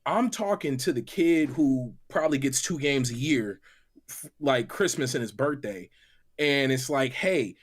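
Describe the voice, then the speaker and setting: A man chatting in animated, slangy podcast banter, excitable and often repeating his phrases. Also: medium pitch, unhurried. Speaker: gaming podcast panelist and reviewer. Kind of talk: animated casual panel banter. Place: remote call on a livestream.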